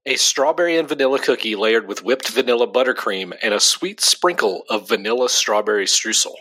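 A man's voice: mid-range voice, expressive, a little fast, bright, forceful tone. A young adult man co-hosting a casual podcast chat, talking loosely with lots of fillers and easy laughs. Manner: chatty, laughs easily, frequent "like" fillers. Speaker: podcast co-host.

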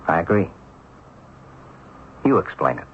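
A wronged, determined character in a radio drama. His voice is low and earnest. The old broadcast is dull with faint noise. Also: sing-song, a little slow. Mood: matter-of-fact. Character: earnest, determined wronged man seeking to clear his name. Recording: band-limited, faintly noisy radio recording.

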